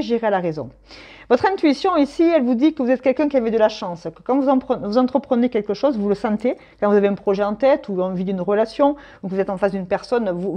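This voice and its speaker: A woman's voice: on the high side, dark tone. A woman giving a casual tarot reading, talking straight to her viewers in a chatty way with the odd swear word. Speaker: tarot reader.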